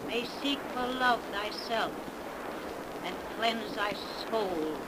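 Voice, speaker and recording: A woman's voice: on the high side, expressive, slow. A woman playing a solemn otherworldly figure pronouncing the terms of a curse in archaic incantation, in 1930s radio drama style. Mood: solemn, commanding. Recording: noisy old 1930s radio recording.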